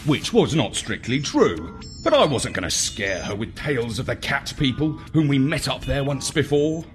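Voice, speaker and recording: A man reading a children's story in an expressive, deliberate, theatrical narrating style. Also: mid-range voice, faint music behind. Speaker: story reader.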